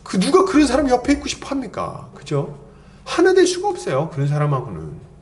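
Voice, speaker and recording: A man's voice: high voice, huge pitch swings, fairly quick. A middle-aged man preaching an expository sermon as pastor, conversational and playful, with acted-out quotes and asides.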